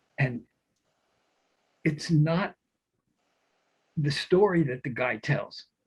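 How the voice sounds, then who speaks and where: A man's fairly high, somewhat breathy voice at a very slow pace, with ordinary pitch variation and long, frequent pauses. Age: 80s+. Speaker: psychiatrist. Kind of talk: interview.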